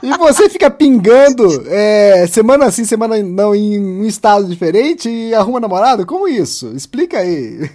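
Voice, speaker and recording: A man hosts a casual podcast chat. He teases his guest and presses her with playful questions. His voice rises and falls in a lively way. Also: sits high, moderate pace, few pauses. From Campinas, Brazil. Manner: teasing, playful, pushes with questions. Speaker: podcast host.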